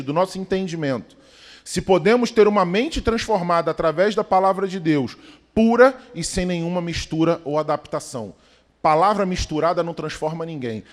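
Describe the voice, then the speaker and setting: A man pastor delivering a sermon, emphatic and rhythmic, with sudden swells and soft low drops. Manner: emphatic preaching with rising calls and quiet drops. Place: church sanctuary. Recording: long church reverb.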